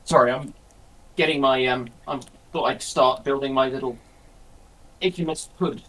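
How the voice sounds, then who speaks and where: A man's voice: medium pitch, fairly even intonation, normal speed, a bit bright, low-quality recording. A man speaking as a panelist in a casual, unscripted discussion.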